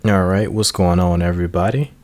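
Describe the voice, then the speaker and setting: A man with a deep, darkish voice hosts a let's play, giving casual, informal, self-deprecating commentary on a video game playthrough and reading game text aloud. He speaks a little fast in a steady tone. Music plays in the background.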